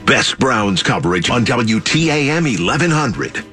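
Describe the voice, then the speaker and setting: Male AM radio promo voice: punchy, bright, with faint music behind. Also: mid-range voice, very animated, moderate pace. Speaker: station promo announcer.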